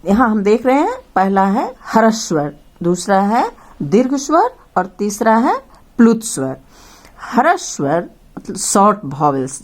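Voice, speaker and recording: A woman teaching grammar to children, patiently explaining and drawing out each vowel sound as she names it. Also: medium pitch. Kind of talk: slow classroom explanation to children.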